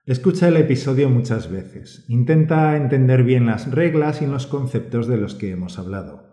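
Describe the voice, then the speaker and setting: A man from with a mellow, warm voice, co-hosting a scripted grammar lesson. He explains rules calmly and encourages the listener. The recording has a roomy echo. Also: medium pitch, moderate pace. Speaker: podcast co-host and Spanish teacher. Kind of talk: scripted teaching podcast.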